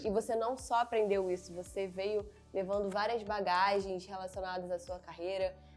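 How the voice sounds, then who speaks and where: A woman speaks at a medium pitch in a monotone, flat intonation. Music plays in the background. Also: moderate pace. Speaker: show host. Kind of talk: interviewer talk to camera.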